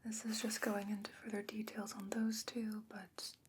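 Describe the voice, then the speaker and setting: A woman's voice: medium pitch, little pitch movement, slight background noise, natural voice. Whispering, learned fantasy sorceress played by a woman. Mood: studious. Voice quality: breathy, unvoiced whisper. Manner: measured, gently explanatory, bookish. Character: patient, learned fantasy sorceress, gently skeptical, advising a friend. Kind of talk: ASMR fantasy roleplay, soft-spoken whispering.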